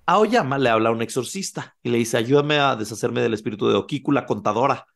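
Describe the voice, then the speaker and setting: A man's voice: mid-range voice, fast, gravelly. A man, a podcast co-host casually telling a horror legend and acting out the quoted lines. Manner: animated, acts out quoted lines.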